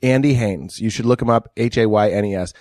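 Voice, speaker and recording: A man's voice: on the low side, a little fast, a little mellow, dry recording, clean studio sound. A man who is a comedian guest on a podcast, chatting casually and laughing often.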